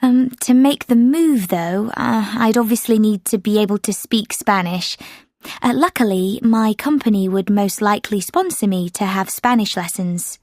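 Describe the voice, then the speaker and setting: A woman's voice: mid-range voice, moderate pace, a little mellow, dry recording, clean studio sound. A woman whose first language is French, giving scripted exam answers steadily, with frequent fillers. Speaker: sample answer speaker.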